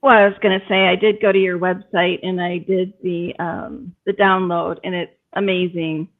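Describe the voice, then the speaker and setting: A woman's voice: on the low side, little pitch movement, normal speed. A woman co-hosting a casual interview, asking plain, curious questions. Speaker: co-host. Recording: phone-like line.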